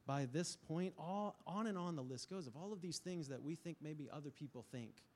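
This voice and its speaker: A man's voice: a little high, moderate pace. A middle-aged man giving a conversational sermon as pastor, telling stories with frequent fillers. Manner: storytelling, animated with frequent fillers.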